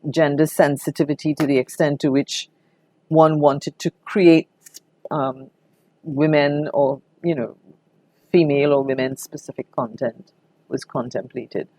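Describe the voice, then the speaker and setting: A woman's voice: low-pitched, darkish tone, no echo. An older woman with a Trinidadian accent reminiscing conversationally in an interview, telling anecdotes expressively as a veteran broadcaster.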